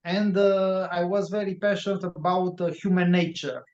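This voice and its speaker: A Romanian man with a Romanian accent, answering interview questions in English with many pauses and fillers. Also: high voice, steady tone, darkish tone. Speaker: guest author. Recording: roomy, dull lo-fi sound.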